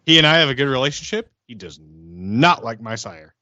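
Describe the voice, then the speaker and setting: A man's voice: medium pitch, very animated, normal speed, pushed and bright, no room sound, lo-fi sound. A man playing a tabletop role-playing game, talking casually and in character.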